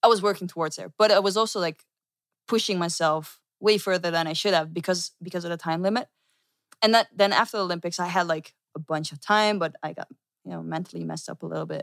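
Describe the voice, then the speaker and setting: Her pitch medium with ordinary variation, a woman talks at a very fast pace in a dry, close sound with no echo. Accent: Dutch. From Netherlands. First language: Dutch. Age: 30s. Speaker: professional skateboarder. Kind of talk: casual chat.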